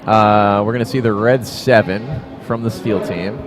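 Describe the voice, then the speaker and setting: A man giving relaxed curling play-by-play and analysis, with a loose, filler-heavy way of talking. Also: fairly low pitch, normal speed, crowd noise. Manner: relaxed, analytical, says "like" and "you know" often. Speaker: curling commentator.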